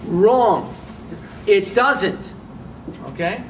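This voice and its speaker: A middle-aged man speaking as a guest rabbi in casual interview talk, emphatic and animated, often restarting his phrases. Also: high voice, very slow. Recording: distant mic with background noise.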